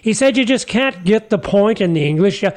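Give me a humble fisherman apostle for a radio skit, high-pitched, earnest and halting. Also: lively intonation. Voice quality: halting, repeats his words. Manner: earnest, homespun, chatty. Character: humble folksy fisherman apostle, middle-aged man. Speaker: guest character. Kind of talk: comic radio sketch.

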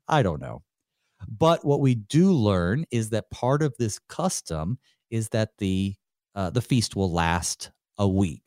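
Guy pastor doing a bible study solo, kinda low voice, chatty, thinks out loud. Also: no echo, clean studio sound. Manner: conversational, thinks aloud with light chuckles. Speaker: pastor and host.

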